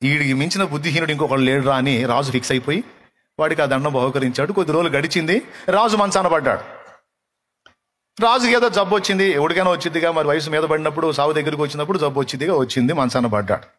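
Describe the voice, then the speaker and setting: A man's voice: fairly high pitch, fast talker, a bit bright. A male pastor preaching a sermon, telling a parable and acting out its dialogue, with emphatic rhetorical questions. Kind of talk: storytelling sermon.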